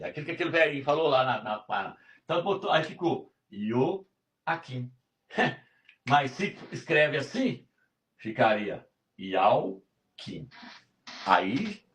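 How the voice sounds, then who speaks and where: A man leads a live-stream Bible lesson in a slightly raised voice. He talks emphatically and repeats himself, pointing things out and checking again and again that his listeners follow. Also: on the high side. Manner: emphatic, repetitive, keeps asking "tá vendo?". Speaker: religious teacher.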